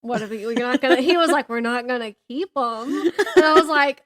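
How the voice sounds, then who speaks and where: A woman chatting casually as a podcast co-host, telling stories in an animated way and acting out what people said. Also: high-pitched, fairly quick, very noisy. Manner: animated storyteller who acts out reported dialogue and jokes at herself. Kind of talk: casual chat, storytelling.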